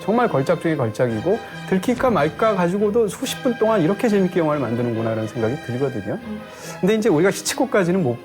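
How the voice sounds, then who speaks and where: Fast-talking and very animated, this middle-aged film critic has a fairly high voice. He co-hosts a movie review show, and in its analytical discussion he lays out long, fluent explanatory arguments in a lecturing style while faint music plays beneath him.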